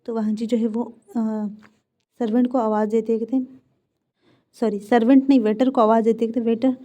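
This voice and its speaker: Mellow-voiced woman retelling a story. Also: a little high, flat delivery, a little fast. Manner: chatty, self-correcting retelling. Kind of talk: casual story narration. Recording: dull lo-fi recording.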